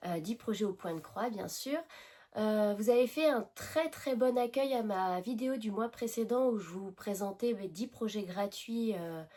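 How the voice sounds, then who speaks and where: A woman's voice: medium pitch, moderate pace, dark tone. A woman with a French accent, chatting casually to camera about her hobby, hesitant with many fillers and restarts, her nose tickled by pollen. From France. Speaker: cross-stitch vlogger.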